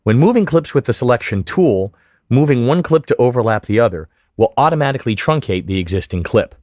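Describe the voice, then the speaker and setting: A man giving scripted, methodical step-by-step instruction as a software tutorial narrator. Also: medium pitch, expressive, fairly quick, dry recording, clean studio sound. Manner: clear, methodical, step-by-step explanation. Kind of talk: scripted instructional narration over screen demo.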